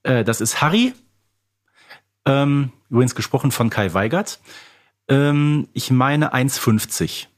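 A man's voice: mid-range voice, expressive, takes it slowly, pauses often. A man co-hosting a casual quiz podcast, chatting like an eager fan who keeps adding trivia details. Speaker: podcast co-host. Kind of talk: casual chat, quiz banter.

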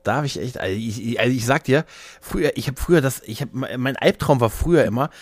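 A man's voice: mid-range voice, fast talker, no room sound. A man in his late thirties or older chatting casually as a podcast co-host, colloquial and self-deprecating. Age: late 30s or older. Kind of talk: casual chat.

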